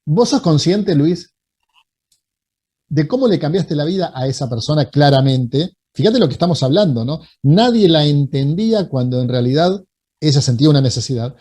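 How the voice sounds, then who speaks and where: A man with a Rioplatense accent hosting a relaxed interview, thinking aloud and building his points in lists. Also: a little high, normal speed. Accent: Rioplatense Spanish. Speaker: host. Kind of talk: casual interview chat.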